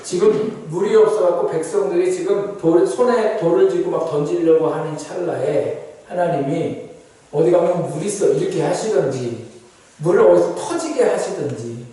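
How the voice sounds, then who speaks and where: A man preaching as a pastor, constantly asking the congregation questions and swinging between raised, emphatic lines and low, quiet ones. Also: moderate pace. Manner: asks the congregation rhetorical questions again and again. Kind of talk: sermon. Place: church sanctuary. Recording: very echoey church, voice from a distant mic.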